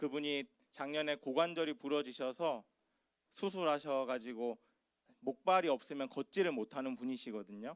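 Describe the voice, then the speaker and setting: In a very clean recording with a silent background and a dry, close sound with no echo, a man speaks at a moderate pace with a fairly high pitch and lively intonation. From rural Korea. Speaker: pastor. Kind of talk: sermon. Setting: church.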